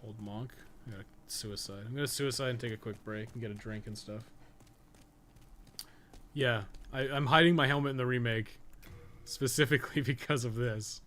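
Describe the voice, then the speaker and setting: A man's voice: medium pitch, steady tone, normal speed, long pauses, fairly bright tone. A man giving casual, rambling live commentary while playing a video game, with some swearing and self-amusement. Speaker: video game streamer and podcast co-host.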